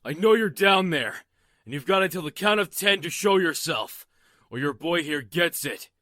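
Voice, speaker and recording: Man acting a gruff, animated country gunman. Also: a little high, moderate pace, no room sound, studio quality. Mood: impatient, threatening. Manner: folksy, threatening, barking orders. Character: gruff, suspicious rural man with a rifle, easily rattled. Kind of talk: audio drama acting.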